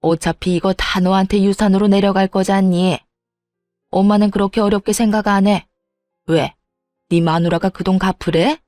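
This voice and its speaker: A woman's voice: medium pitch, steady tone, moderate pace, darkish tone, no room sound, clean studio sound, soft background music, lightly acted. A woman voicing a selfish older mother-in-law who dismisses and scolds her son in a storybook reading. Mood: dismissive.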